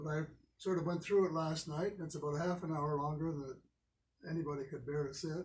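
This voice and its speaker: This man speaks very fast with a Canadian accent, his fairly high-pitched voice held in a flat monotone. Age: 80s+. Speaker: former politician, author, whistleblower. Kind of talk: lecture to a small audience. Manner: clear.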